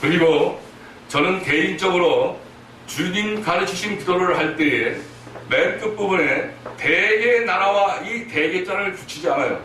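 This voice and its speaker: Male missionary preacher, sermon delivery, earnest and emphatic, slightly high voice, picked up from a distance in a very echoey church hall. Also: measured pace, sharp tone. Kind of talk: sermon at a prayer meeting. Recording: echoey hall from far off, faint noise.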